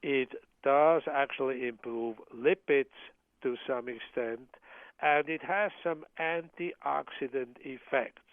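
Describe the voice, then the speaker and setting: Interview guest: a man from Switzerland, measured and halting, on a tinny dry phone line. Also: mid-range voice, no room sound. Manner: measured, hesitant with frequent uh fillers and restarts. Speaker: guest, professor of medicine.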